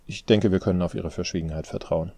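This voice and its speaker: A weary grown son in a storybook, strained and terse, voiced by a man with a deep, gravelly, mellow tone. The sound is dry and close. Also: steady tone, fast, dry recording. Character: weary adult son, tired and guarded.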